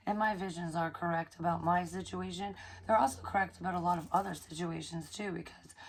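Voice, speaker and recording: A hoarse young woman, chatting casually in a rambling psychic vlog, swearing freely and filling pauses with ums. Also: fairly low pitch, low-quality recording. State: hoarse, recovering from illness. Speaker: psychic medium vlogger.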